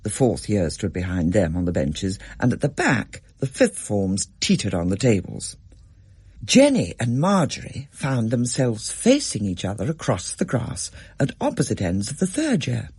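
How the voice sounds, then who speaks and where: A man reading a story aloud as narrator in a measured, storytelling way. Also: on the low side, breathy edge, dry recording. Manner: gently storytelling, varied and expressive.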